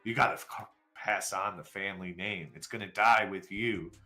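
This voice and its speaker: A man's voice: low voice, fairly even intonation, normal speed, pushed and bright. A man in his forties chatting candidly with viewers on a live stream, rambling and self-deprecating, with plenty of fillers. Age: 40s. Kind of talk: casual chat with viewers.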